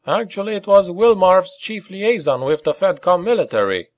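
A man's voice: sits high, sing-song, moderate pace, dry recording, muffled recording, pitched above the performer's own voice. A man voicing a smug, scornful and sceptical man in an audiobook. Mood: bitter. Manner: smug, dismissive, pointed.

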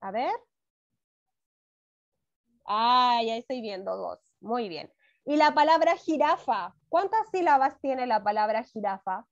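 A woman's voice: on the high side, expressive, slow pace, long pauses. A woman with a Chilean accent teaching a first-grade class online, affectionate and encouraging with her pupils. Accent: Chilean Spanish. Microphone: video call. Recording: dull lo-fi video call audio.

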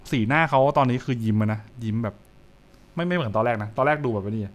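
A man's voice: mid-range voice, quick pace. A young adult man, giving casual live reaction commentary and repeating short phrases as he thinks aloud. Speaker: streamer reacting to horror comics. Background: music.

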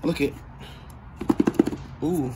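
Excited man unboxing in storage unit. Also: heavy background noise. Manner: excited, joking, quick exclamations. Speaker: vlogger. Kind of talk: casual unboxing chat.

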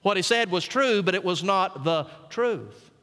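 A middle-aged man, a senior pastor, preaching a sermon with folksy stories and emphatic pauses on key words. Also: sits high, animated, a bit bright, in a large hall. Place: church sanctuary.

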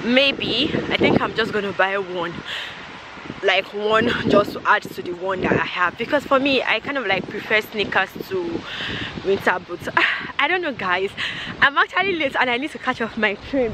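A young woman with a Nigerian accent chatting casually to camera as she walks outside, filming at arm's length in an animated manner. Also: mid-range voice, normal speed. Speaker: vlogger. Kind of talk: casual vlog chat to camera. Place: outdoors on a grassy path by railway. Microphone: handheld camera at arm's length. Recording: outdoor noise, passing traffic ambience.

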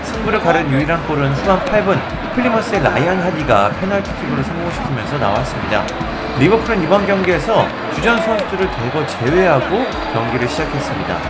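A man's voice: fairly high pitch, very animated, quick pace. A man presenting scripted sports news narration as the host of a video. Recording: loud music and stadium crowd behind. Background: loud music and crowd noise.

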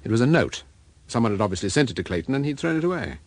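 An actor playing an urbane, observant gentleman detective in a radio drama. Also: medium pitch, very animated, rapid-fire. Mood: confiding. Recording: loud train noise behind.

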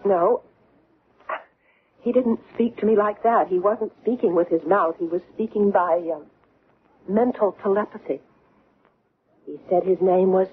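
A woman's voice: mid-range voice, a little slow, pauses often, lightly acted. An actress playing a bewildered young woman in an old-time radio drama, recounting an alien abduction in a hesitant, wondering way. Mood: hesitant, earnest. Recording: tinny, band-limited, noisy radio recording.

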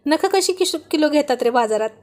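A woman's voice: high voice, animated, a little fast, darkish tone, pitched above the performer's own voice. A woman reading a storybook, voicing a teasing, playful young husband in a bantering, mock-stern way.

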